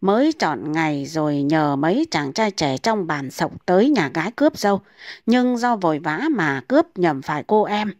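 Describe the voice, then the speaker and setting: A woman reading comic folk tales aloud in a brisk, steady storytelling manner. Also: fairly low pitch, dry recording, clean studio sound.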